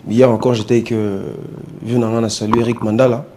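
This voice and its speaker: A male musician being interviewed, talking in a relaxed, hesitant way and slipping in Lingala words. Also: fairly low pitch, brisk, slight background noise. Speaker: musician guest. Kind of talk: casual interview talk.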